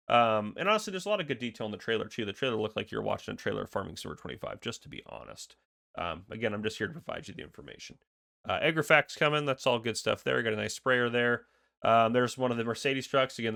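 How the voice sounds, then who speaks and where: Male gaming host, raspy with a cold, gravelly and bright, rambling casual commentary. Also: on the low side. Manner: rambling, filler-heavy, thinking aloud. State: fighting a cold. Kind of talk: casual commentary over screenshots.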